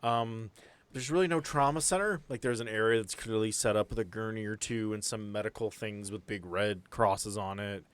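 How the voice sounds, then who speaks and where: Low-voiced man running a tabletop game. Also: normal speed, clean tone. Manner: casual, descriptive. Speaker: game master. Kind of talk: improvised tabletop game narration.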